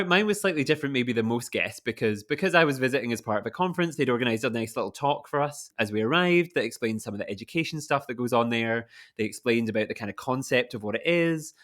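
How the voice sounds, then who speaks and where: A man's voice: mid-range voice, fairly bright tone. A man with a Scottish accent hosting a podcast, chatting casually and enthusiastically, with lots of "like" fillers. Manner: rambling and enthusiastic, many fillers like "like". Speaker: podcast host.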